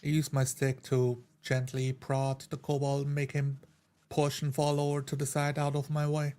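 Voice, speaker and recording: A man's voice: mid-range voice, completely flat delivery, normal speed, dark tone. A man speaking as a player in a tabletop roleplay game. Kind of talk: roleplay, describing character actions.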